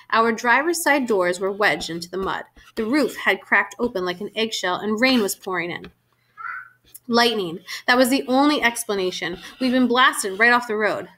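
Bright-voiced woman narrating a storybook. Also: medium pitch. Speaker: audiobook narrator. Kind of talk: first-person storybook narration.

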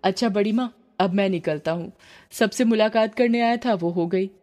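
A woman narrator voicing a polite young man who speaks gently but firmly. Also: medium pitch, moderate pace, lightly acted.

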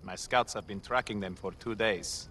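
An actor playing a solemn desert tribal sheikh, speaking in a formal, deliberate, grave way. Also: male voice, lowish voice, fairly bright tone, slight background noise, lightly acted. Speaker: video game character. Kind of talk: video game cutscene acting. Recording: game audio with music score.

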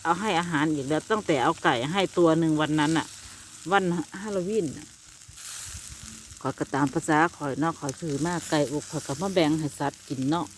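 A woman's voice: low-pitched, brisk, a little hiss or hum. Chatty woman with an Isan Thai accent. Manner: chatty, rambling, addresses viewers as brothers and sisters. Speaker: vlogger. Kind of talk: casual chat to viewers. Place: backyard outdoors by a charcoal grill.

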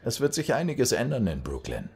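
An actor in a German radio play playing a smug, arrogant male vampire with a husky voice. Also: medium pitch, huge pitch swings, fairly quick, a little mellow, full character voice. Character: smug male vampire seeking to rule Brooklyn.

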